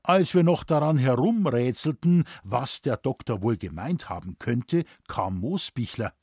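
Husky Bavarian man reading a story. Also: mid-range voice, animated, a little slow, a little mellow, dry recording, studio quality. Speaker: audiobook reader. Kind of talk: audiobook narration.

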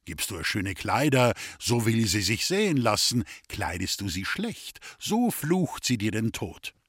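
Mann spricht einen griesgrämigen alten schwaben, belehrend und lebhaft im ton, trocken aufgenommen. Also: male voice, fairly low pitch, very animated, measured pace, fairly bright tone, husky, no room sound, clean studio sound, full character voice. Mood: grumbling lecture. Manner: sententious, reeling off proverbs. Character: grumbling old Swabian bachelor preaching against marriage.

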